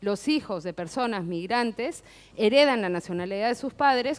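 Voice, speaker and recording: Her speaking voice unremarkable, a woman talks at a fairly high pitch and a fairly quick pace with lively intonation. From Peru. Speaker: artist and activist. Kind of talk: panel discussion. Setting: public event with live audience.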